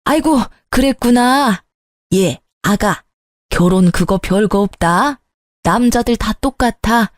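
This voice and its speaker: A woman's voice: medium pitch, darkish tone, dry recording, studio quality, lightly acted. A woman voicing a scheming middle-aged mother-in-law who turns from indignant to fawning, fussy and wheedling.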